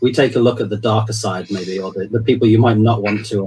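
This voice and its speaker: A man with a British accent and a fairly low pitch, music playing in the background. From Britain. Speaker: novelist and podcast co-host. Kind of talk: panel discussion.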